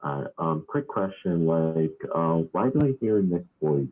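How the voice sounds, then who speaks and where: A man's voice: low-pitched, lively intonation, measured pace. A man calling in, hesitant and mumbling. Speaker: caller. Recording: tinny phone line.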